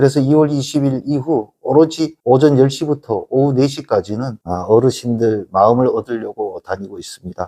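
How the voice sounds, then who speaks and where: Dark and mellow in tone, a man speaks at a medium pitch. His pace is moderate, and the background is quiet. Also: ordinary pitch variation, hardly any pauses, dry, close sound with no echo. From Taebaek, Gangwon, South Korea. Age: 60s. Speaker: mayoral candidate. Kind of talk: interview. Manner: halting, frequent fillers.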